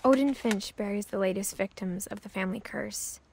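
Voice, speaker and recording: A woman voicing a young woman who narrates her family's history in a video game, speaking softly and close to a whisper. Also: medium pitch, brisk, a little hiss or hum, natural voice. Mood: calm. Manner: soft, hushed storytelling, often near a whisper.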